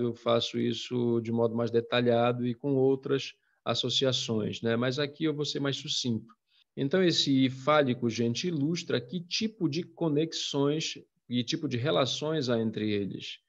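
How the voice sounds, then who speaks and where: A man with a Brazilian Portuguese accent teaching a literature class on video, his voice at an ordinary middle pitch. He explains step by step and keeps checking that his students follow. The recording sounds a little dull and lo-fi. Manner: explanatory, addresses students as "gente", frequent "né?" and "tá?".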